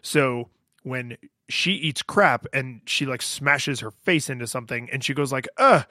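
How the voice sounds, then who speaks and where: A man with a fairly deep voice co-hosting a podcast, rambling in casual chat with frequent fillers and laughs. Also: a little slow, pushed and bright, dry recording, studio quality. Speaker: podcast co-host. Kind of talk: casual chat about a video game.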